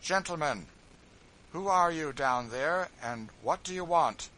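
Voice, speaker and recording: A man reading an audiobook, voicing a defiant, resolute escaped man who speaks calmly, clearly and forcefully. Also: low-pitched, heavily acted, poor audio. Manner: calm, clear, measured and forceful.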